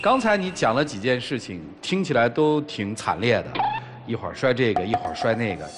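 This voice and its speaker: A man hosting a TV relationship show, briskly cutting off arguments and moving on. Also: medium pitch, animated, heavy background noise. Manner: brisk, cuts arguments short. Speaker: TV show host. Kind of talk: moderating a couple's dispute. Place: TV studio.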